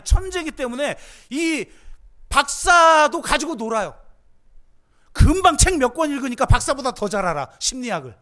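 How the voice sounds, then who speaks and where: A middle-aged man preaching a sermon as pastor, telling stories emotionally, moving from hushed tones to impassioned pleas. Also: extremely high pitch.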